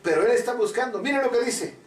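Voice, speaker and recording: A man's voice: extremely high pitch, lively intonation, fast talker. A man preaching a sermon with fervent, repetitive emphasis, calling on the congregation to repeat after him. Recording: echoey room, distant mic, faint music.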